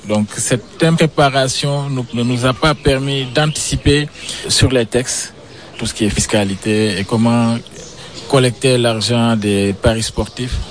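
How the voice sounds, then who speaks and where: A man's voice: mid-range voice, slight background noise. A man from Senegal answering radio interview questions, hesitant, with frequent restarts. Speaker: interviewee, sports business founder.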